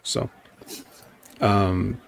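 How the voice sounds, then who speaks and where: A man's voice: lowish voice, steady tone, drawn-out words, gravelly, dry recording. A man hosting a podcast, recapping a wrestling show in a rambling, sarcastic way with lots of ums. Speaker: podcast host. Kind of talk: casual wrestling recap chat.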